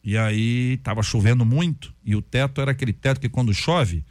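A man, a pastor, talking about prayer in a relaxed, conversational way and acting out stories and prayers. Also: mid-range voice, brisk, no echo. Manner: storytelling, acts out prayers and quotes. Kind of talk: conversational faith talk.

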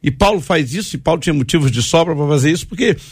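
A man's voice: a little high, expressive, fast, breathy edge, no echo, studio quality. A man in a discussion, explaining step by step and pointing back to the original text.

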